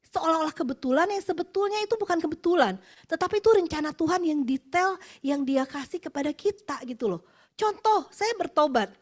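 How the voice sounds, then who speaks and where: A high-pitched woman in her 40s from West Java, Indonesia, gives a personal testimony sermon at an office worship meeting. She is chatty and expressive, dropping in English phrases and laughing between points.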